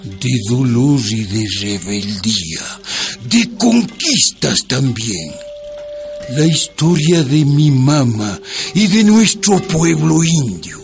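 A man's voice: medium pitch, very animated, slow pace, creaky, heavily acted. A man playing an indigenous Ecuadorian peasant son, solemnly telling his mother's story in an Ecuadorian Andean accent as radio drama narration. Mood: solemn, sorrowful. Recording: music bed under the voice.

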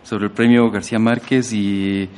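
A man hosting a conversational radio interview, asking in hesitant, halting phrases. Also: fairly low pitch, little pitch movement, darkish tone, slight background noise. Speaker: interviewer, host.

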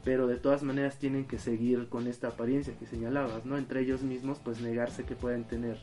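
A man's voice: mid-range voice, little pitch movement, brisk, mellow, faint music behind. A man, co-hosting a podcast and talking through a film in a thoughtful, analytical way. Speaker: podcast co-host. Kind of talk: casual film discussion.

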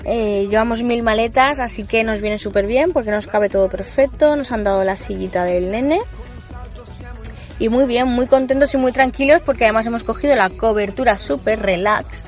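Woman, travel vlog host, bubbly and chatty, soft music underneath. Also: fairly high pitch, moderate pace. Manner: upbeat, chatty, enthusiastic. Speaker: travel vlogger. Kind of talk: casual travel vlog chat. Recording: faint music behind.

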